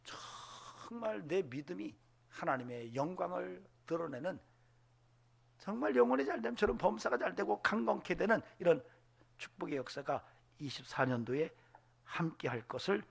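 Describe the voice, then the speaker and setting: A man preaching a Sunday sermon, animated, acting out voices and dropping to whispers. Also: high-pitched, moderate pace, vocal fry, husky. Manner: animated, acts out voices in quotes, drops to whispers. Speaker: pastor. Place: church sanctuary.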